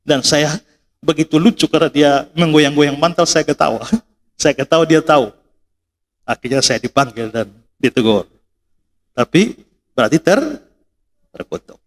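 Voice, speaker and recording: A man's voice: fairly high pitch, normal speed, pauses often. A man with an Indonesian accent preaching a sermon, asking the congregation questions and acting out his own stories. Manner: animated, rhetorical questions to congregation, acts out quarrels. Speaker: pastor.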